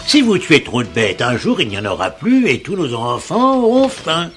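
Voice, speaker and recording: Wise old tribal elder. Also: male voice, a little high, moderate pace, soft background music. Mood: worried. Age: older. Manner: calm, gently lecturing. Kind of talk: French cartoon dub.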